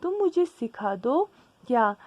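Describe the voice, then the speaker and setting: A woman's voice: high-pitched, big pitch swings, no room sound. A woman teacher, reading a story to her class and explaining each line in Hindi. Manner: reads English lines slowly, then explains them in Hindi. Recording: dull lo-fi recording.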